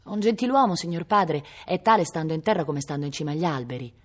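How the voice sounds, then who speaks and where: A woman reading as a rebellious noble boy, his voice raised a little higher than hers. He answers firmly and defiantly, polite in form but unbending. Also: lively intonation, fast talker. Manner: firm, defiant, cheeky.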